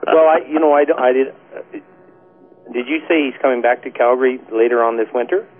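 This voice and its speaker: A man's voice: mid-range voice, brisk. A Canadian man calling in to a webcast, talking hesitantly and laughing often. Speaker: caller. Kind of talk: casual call-in chat. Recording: tinny phone-line sound.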